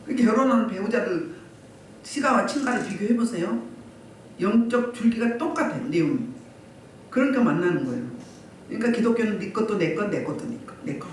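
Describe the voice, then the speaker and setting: A woman pastor delivers her sermon with a rising and falling, animated voice, prodding her listeners with questions again and again. She sounds distant from the microphone in a strongly echoing church room, with faint noise underneath. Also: medium pitch, fairly quick. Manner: repeated rhetorical questions to the congregation. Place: church sanctuary. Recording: echoey room from far off.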